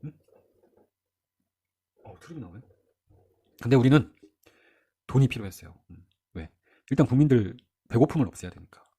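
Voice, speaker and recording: Middle-aged male lecturer, mellow husky tone, brisk conversational exam-prep delivery. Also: medium pitch, lively intonation. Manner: chatty, asks the listener rhetorical questions, acts out quoted figures. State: sore throat. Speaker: history lecturer.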